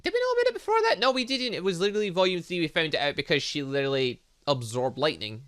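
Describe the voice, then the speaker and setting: A man giving excitable, rambling commentary as he plays through a game, often thinking aloud. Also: on the high side, fast talker. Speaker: gaming channel host.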